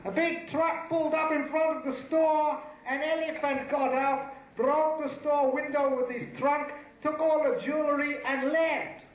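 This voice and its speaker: A panicky jeweller, shrieking in outrage, as a man puts him on. The voice is high and strained. It is recorded live on a theatre stage, so it booms back off the hall walls. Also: flat delivery, a little slow, few pauses, a little hiss or hum. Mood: indignant. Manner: shrill, exasperated outbursts.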